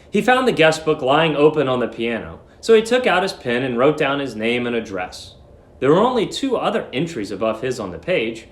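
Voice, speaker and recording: A man's voice: mid-range voice, reverberant. A man narrating a short story as a dramatic reading.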